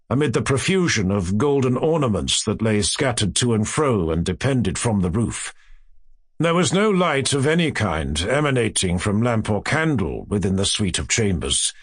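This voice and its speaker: A man reading a classic horror tale as an audiobook narrator, in a measured, theatrical storytelling manner with careful phrasing. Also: mid-range voice, no room sound, studio quality. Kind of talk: dramatic literary horror narration.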